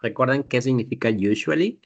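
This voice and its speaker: A male teacher, pitched at an ordinary middle height for a man. He explains grammar patiently and step by step, then drills pronunciation word by word. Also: a little fast, dull audio. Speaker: English teacher. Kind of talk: classroom teaching.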